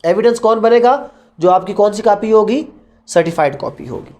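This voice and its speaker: A woman's voice: medium pitch, moderate pace, darkish tone. A woman with a Pakistani accent lecturing as a law teacher, posing questions and answering them herself, mixing Urdu with English terms. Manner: didactic, asks questions then answers them.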